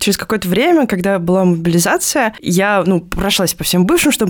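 An unremarkable speaking voice belongs to this woman, at medium pitch. She talks at a fairly quick pace with lively intonation. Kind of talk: casual chat.

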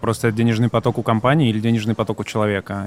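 Delivery is very fast. The pitch rises and falls only a little, staying fairly even. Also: man. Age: 20s. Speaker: startup founder. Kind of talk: business pitch.

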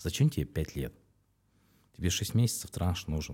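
A man speaks at a moderate pace in a dark, mellow tone. The recording is very clean, with a silent background. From Russia, Sverdlovsk region (Urals). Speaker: fintech company director. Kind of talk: interview.

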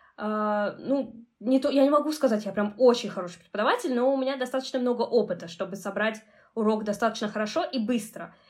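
Speaking at a fairly quick pace, a woman uses a normal speaking voice, fairly high in pitch, with ordinary pitch variation. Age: 20s. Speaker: English teacher and new mother. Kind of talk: casual interview.

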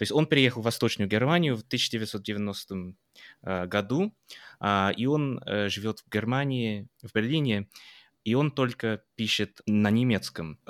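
Very slow delivery with long, frequent pauses and ordinary pitch variation, in a very clean recording with a silent background and a dry, close sound with no echo. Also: man, medium pitch for a man. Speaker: podcast co-host. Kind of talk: casual podcast chat. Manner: hesitant, many fillers.

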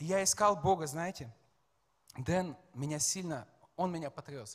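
Somewhat breathy and animated, a man talks at a moderate pace. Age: 30s. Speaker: pastor. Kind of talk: sermon. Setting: stage with audience.

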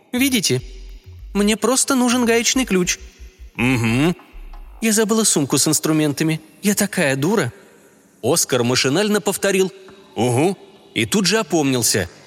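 Against background music, a man speaks in a high pitch with an animated tone, very wide pitch swings and very even loudness, keeping a moderate pace broken by long, frequent pauses. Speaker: audiobook narrator. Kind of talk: literary audiobook reading, scripted narration of a short story.

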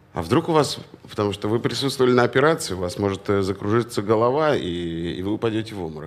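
A man's very fast, lively-toned speech at a fairly low pitch, with noticeable background noise. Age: 40s. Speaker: rock band frontman. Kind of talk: casual chat.

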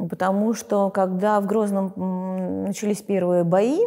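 Medium pitch from a woman, paired with a dark, mellow tone. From Grozny, Chechnya, Russia. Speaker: English teacher and teacher trainer. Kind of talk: interview testimony.

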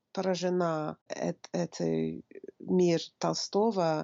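Speaking with an English accent, a woman has a fairly low pitch. She talks at a very slow pace. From England. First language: English (speaking Russian). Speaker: writer and stand-up comedian. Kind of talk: interview. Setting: remote call. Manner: halting, with hesitations.

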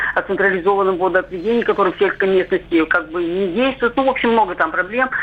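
Very fast speech over noticeable background noise. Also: woman. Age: 80s+. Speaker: caller. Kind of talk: call-in complaint. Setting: phone call.

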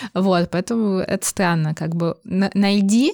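Recorded dry and close with no echo against a silent background on a very clean recording, a woman uses an ordinary speaking voice at medium pitch with ordinary pitch variation. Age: 30s. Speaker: HR director. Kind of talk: casual chat.

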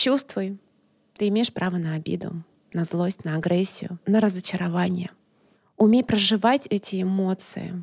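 A woman speaks at a moderate pace and medium pitch with a warm, somewhat breathy tone and fairly even intonation, in a dry, close sound with no echo. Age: 40s. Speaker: podcast co-host. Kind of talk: casual chat; heartfelt advice. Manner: warm and soft.

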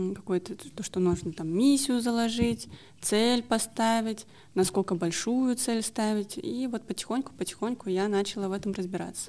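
In a dark, mellow tone, a woman speaks at medium pitch with ordinary pitch variation. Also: very clean recording, silent background. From Kazakhstan, Almaty. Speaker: entrepreneur. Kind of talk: interview.

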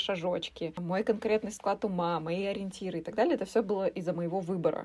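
An unremarkable speaking voice from a woman, medium in pitch with fairly even intonation. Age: 20s. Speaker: podcast host. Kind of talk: casual interview.

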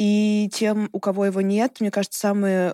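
Recorded dry and close with no echo, a woman speaks at a medium pitch in a dark, mellow tone. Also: very clean recording, silent background. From Moscow, Russia. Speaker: museum educator, podcast co-host. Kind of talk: podcast conversation.

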